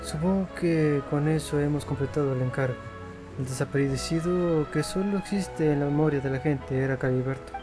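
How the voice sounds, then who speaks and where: A man's voice: a little high, fast, over music. A native Spanish-speaking man hosting a gaming video, reading game dialogue aloud.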